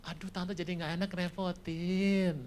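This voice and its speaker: A man's voice: high voice, level tone, normal speed, lightly acted. A man doing a shy, polite young guest. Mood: bashful. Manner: polite, bashful, soft-spoken.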